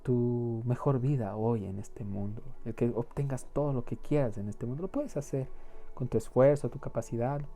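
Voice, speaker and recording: A man's voice: mid-range voice, moderate pace, dark tone, soft background music. A man preaching a sermon in an earnest, pleading way, often repeating words as he searches for them, then moving into prayer.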